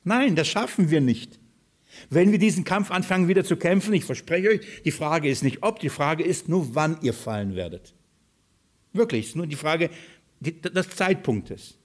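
A man preaching a sermon, asking rhetorical questions and swinging between loud calls and soft asides. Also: on the high side. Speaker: pastor.

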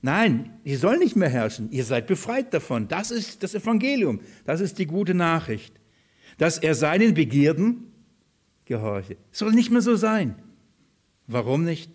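Lively preaching man, fairly high voice. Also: measured pace. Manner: lively preaching, rhetorical questions, swings between loud and soft. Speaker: pastor. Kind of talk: sermon.

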